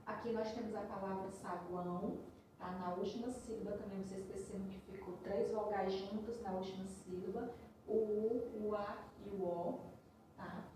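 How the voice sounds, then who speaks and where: A woman teacher walks her students through a lesson, spelling out each example and pausing to check they follow. Her voice is mellow and sits back from the mic. A heavy room echo and faint noise hang around it. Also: medium pitch, fairly even intonation, far from the mic. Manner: patient, spells out syllables slowly, checks in with "tá certo?". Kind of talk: recorded online lesson.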